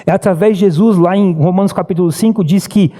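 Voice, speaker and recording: Earnest Brazilian pastor with a high, dark voice. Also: male voice, fast. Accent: Brazilian Portuguese. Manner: earnest storytelling preacher, rises in pitch when urging. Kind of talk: sermon. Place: church sanctuary.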